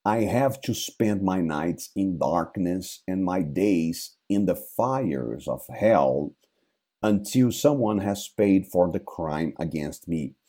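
A grim ghost of a murdered king, read aloud by a man. Slow, solemn delivery in a low, very dark voice with a husky edge. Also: lively intonation, exaggerated voice.

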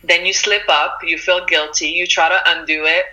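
A woman's voice: normal speed, low-quality recording. A woman from Morocco, an author speaking earnestly and encouragingly in a casual interview. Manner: earnest and encouraging, animated rises in pitch. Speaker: author and guest.

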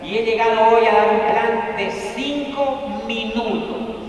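A man giving an animated motivational talk about network marketing to an audience, repeating lines until he shouts them. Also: very high-pitched, takes it slowly, slight background noise. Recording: echoey hall from far off.

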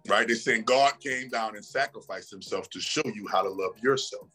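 Husky-voiced man preaching self-love. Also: on the low side, normal speed, bright, forceful tone, faint music behind. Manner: preachy, emphatic, repeats phrases and asks "right?". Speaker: podcast guest. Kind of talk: casual motivational talk.

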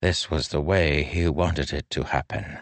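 A man voicing a frail, weary old king who speaks with a soft, drawn-out, sorrowful delivery. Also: extremely low pitch, steady tone, no echo. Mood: wry. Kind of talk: audiobook character voice.

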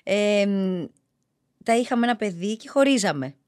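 A Greek actress chatting as a podcast guest, telling stories in a lively way and acting out what people said. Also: female voice, medium pitch. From Greece. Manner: lively storyteller, acts out quotes. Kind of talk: casual podcast chat.

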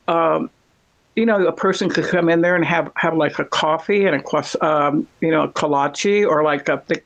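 Casual rambling male conversationalist, voice sits a little high. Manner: rambling, chatty, many fillers. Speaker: conversation partner. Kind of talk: casual chat.

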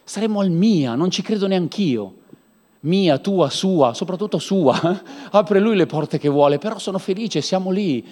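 Preacher guy, high voice, lively sermon doing funny voices, echoing hall. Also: unhurried. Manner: animated, mimics people in high comic voices. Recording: long hall reverb.

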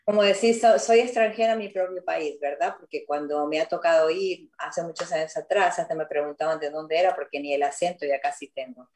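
A woman's voice: low voice, fairly quick, hardly any pauses, a little mellow, reverberant. A middle-aged woman from Buenos Aires, a guest in a casual panel chat, speaking in an earnest, heartfelt way. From Buenos Aires, Argentina.

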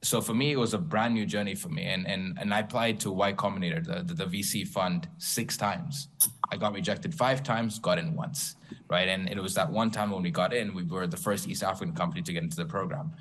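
A man's voice: deep voice, steady tone, a little fast, fairly bright tone. A young man, a tech founder on a panel, telling his story candidly with self-deprecating humor. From Tanzania. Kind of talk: panel talk.

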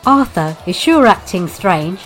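A woman's voice: fairly low pitch, animated, unhurried, over music, low-quality recording. Woman as wry, cheeky pantomime narrator. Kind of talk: scripted comic narration.

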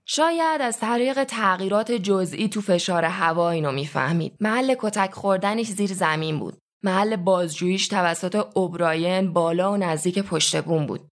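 A woman narrating a novel in a steady, even storytelling voice. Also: medium pitch.

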